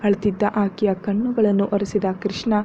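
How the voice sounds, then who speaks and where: A woman narrating a serialized romance story in a steady, dramatic storytelling manner, on a dull lo-fi recording with faint hiss. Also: medium pitch, normal speed.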